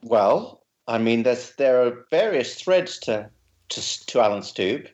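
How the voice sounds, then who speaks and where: A man's voice: medium pitch, animated, slow, darkish tone, highs cut off. A man from London with a posh, very proper southern English accent, chatting casually and wryly on a podcast. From London, England. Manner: very proper, well-spoken. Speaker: podcast guest, writer and comic character creator. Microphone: remote video call.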